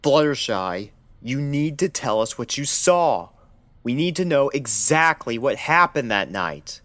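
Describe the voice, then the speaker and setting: A man voicing a stern, impatient pony doctor who questions in a flat, clinical, insistent manner in an audio story. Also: medium pitch, unhurried, no room sound, voice pushed up. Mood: urgent, insistent. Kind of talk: dramatic audio story acting.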